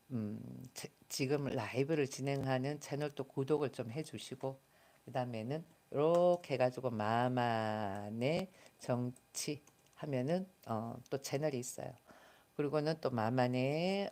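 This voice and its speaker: A woman's very deep, low voice with a dark, mellow tone, at a very slow pace with ordinary pitch variation. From South Korea, Daegu. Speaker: YouTuber. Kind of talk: live stream chat. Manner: halting.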